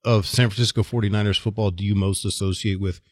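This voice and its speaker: A middle-aged man hosting a podcast, chatting casually and gently ribbing his guest. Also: fairly low pitch, steady tone, fast, dry recording, clean studio sound. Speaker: podcast host. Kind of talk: casual interview chat.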